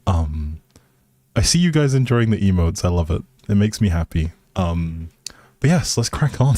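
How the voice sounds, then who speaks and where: A man's voice: low-pitched, big pitch swings, normal speed, warm tone, dry recording. A man hosting a livestream, chatting casually and informally straight to his viewers. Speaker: livestream host.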